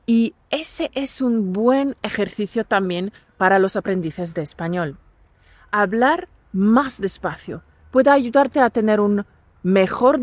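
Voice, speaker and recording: A woman from talks through a prepared lesson at a close mic, calm and deliberate, and she cheers the listener on. The recording is dry, with no room sound around her voice. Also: mid-range voice, no echo. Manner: calm, clear and deliberate, encouraging. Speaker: Spanish teacher and podcast host. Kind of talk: scripted lesson narration.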